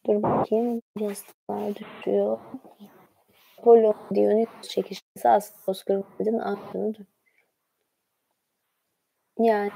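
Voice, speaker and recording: A woman's voice: medium pitch, little pitch movement, creaky, mellow, breathy edge, low-quality recording. A woman hosting a livestream, reading aloud and adding informal, conversational asides as she goes. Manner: informal, conversational, often pausing to comment. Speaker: livestream host reading about mythology.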